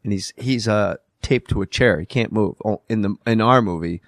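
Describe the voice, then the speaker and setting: A man hosting a comedy podcast, teasing his guest in quick, profane banter. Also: on the low side, dry recording, clean studio sound. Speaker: podcast host. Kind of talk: casual comedy podcast chat.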